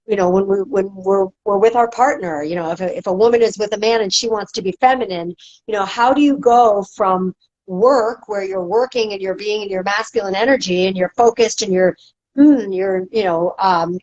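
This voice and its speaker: A woman, a movement instructor, talking casually in a podcast with many fillers and restarts. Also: mid-range voice. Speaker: guest, movement and dance instructor. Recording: dull lo-fi audio.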